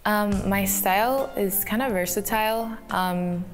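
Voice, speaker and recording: A teenage woman from Canada answering interview questions in a soft, giggly way with many ums, filmed in a photo studio. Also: mid-range voice, a little slow. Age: teens. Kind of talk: recorded profile interview. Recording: clip played with faint music.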